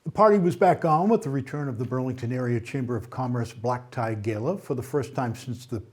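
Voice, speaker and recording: A man's voice: medium pitch, brisk, darkish tone. A man anchoring a weekly local news roundup, reading items evenly and adding small off-script remarks. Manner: reads evenly with small ad-libs.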